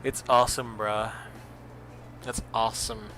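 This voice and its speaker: A man's voice: lowish voice, measured pace, noisy background. A man chatting casually on a flight simulator stream and making pilot radio calls. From Philippines. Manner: switches between Filipino and English, relaxed chatty, reads radio calls.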